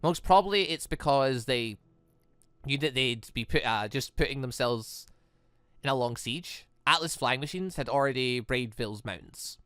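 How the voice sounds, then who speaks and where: A man's voice: medium pitch, expressive, sharp tone, clean tone, dry recording. A man reading visual novel dialogue aloud as a gaming host, often stumbling and correcting himself. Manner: halting, stumbling over words and correcting himself.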